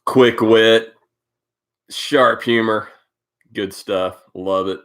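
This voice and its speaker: Congested deep-voiced man hosting a live stream. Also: steady tone, extremely slow, a bit bright. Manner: rambling, greeting viewers by name, many fillers. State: congested from a cold. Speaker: host of a live cycling update stream. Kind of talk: casual live-stream chat.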